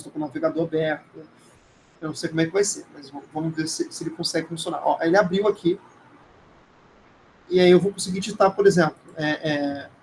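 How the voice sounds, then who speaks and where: A Brazilian man with a fairly high voice teaches an informal live class. He speaks conversationally and hesitantly, often checking in with short tag questions. Noticeable noise sits behind his voice. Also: darkish tone, rough recording. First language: Portuguese. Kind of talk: informal live lecture with screen demonstration.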